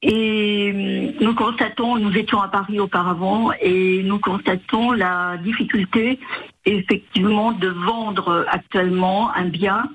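A retired older woman calling into a radio show, heard over a phone line, speaking in a hesitant, measured way with frequent filler pauses. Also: mid-range voice, steady tone, husky. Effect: heard over a phone line into the studio.

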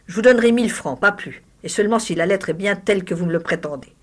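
A woman reading a short story, voicing a calm, severe male lawyer who speaks curtly. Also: mid-range voice, fast talker, voice pushed up, natural voice. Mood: stern. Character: cool, stern middle-aged male lawyer.

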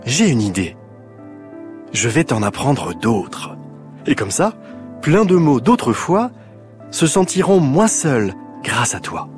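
A man voicing a kind, patient old grandmother who explains things gently in a storybook reading. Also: mid-range voice, very animated, takes it slowly, pauses often, soft background music, pitched above the performer's own voice. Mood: explaining.

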